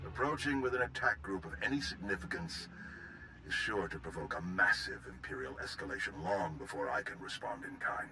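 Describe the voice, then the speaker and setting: An actor playing a grave, measured military general who speaks with quiet urgency in a game cutscene. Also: male voice, low voice, expressive, gravelly, a little hiss or hum, heavily acted, rough recording. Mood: urgent. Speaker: Republic general. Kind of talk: video game cutscene dialogue. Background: orchestral score.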